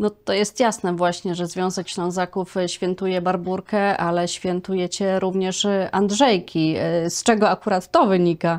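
Against a quiet background, a woman speaks at a moderate pace, her medium pitch flat and monotone. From Lublin region, Poland; Poland. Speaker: TV host. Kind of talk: TV studio interview. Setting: TV studio. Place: studio. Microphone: lapel.

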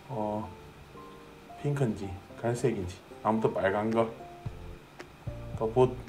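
The speaker goes at a very slow pace with long, frequent pauses and fairly even intonation while music plays in the background. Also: man, medium pitch for a man. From Gyeongsang Province, South Korea. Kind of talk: playful comic voice-over dubbing of makeup video. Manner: joking, casual, bemused.

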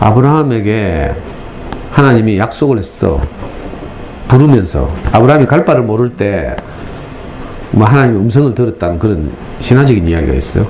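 Over light background noise, a man with a fairly low pitch talks at a fairly quick pace, with very wide pitch swings and long, frequent pauses. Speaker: lecturer. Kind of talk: lecture. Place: classroom. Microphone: headset.

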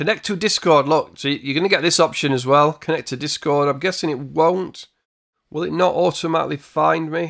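With a Yorkshire accent, a man speaks at a fairly quick pace and a fairly high pitch, with ordinary pitch variation, on a very clean recording with a silent background. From Yorkshire, northern England. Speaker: online business tutorial creator. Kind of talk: screen-share tutorial. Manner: casual, hesitant with fillers.

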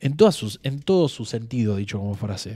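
A man with a medium-pitched, dark, mellow voice speaks somewhat breathily at a fairly slow pace. His intonation is lively, and the background is quiet. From Argentina. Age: 30s. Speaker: stream host. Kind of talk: casual political chat. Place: studio. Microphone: studio mic.

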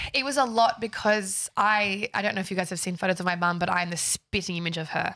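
This woman talks at a very fast pace with an Australian accent, her tone bright and sharp. Her pitch is medium with ordinary variation, and the background is quiet. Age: 30s. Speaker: social media influencer. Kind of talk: casual chat. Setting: studio. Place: studio. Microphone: studio mic.

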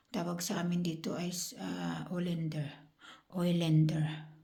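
Very slow and fairly even in intonation, a woman speaks at a fairly low pitch. Audible room echo surrounds her voice. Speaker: vlogger. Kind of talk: casual vlog tour of plants. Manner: halting, many fillers.

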